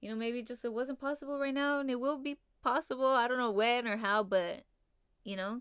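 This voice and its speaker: A woman with a Spanish accent speaks at a moderate pace, her intonation fairly even. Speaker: podcast host. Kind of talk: casual chat.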